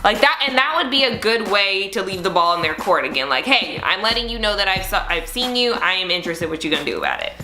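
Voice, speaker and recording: A young woman with a bright, clear voice co-hosts a podcast and gives frank, slangy dating advice in an emphatic, casual way. Her voice rings a little in an echoey room, with faint music playing underneath. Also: medium pitch, animated, quick pace, few pauses. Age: young adult. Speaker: podcast co-host.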